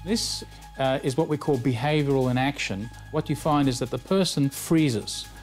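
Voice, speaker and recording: A man, an expert on human behavior, calmly explaining a concept in an interview. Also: mid-range voice, normal speed, faint music behind.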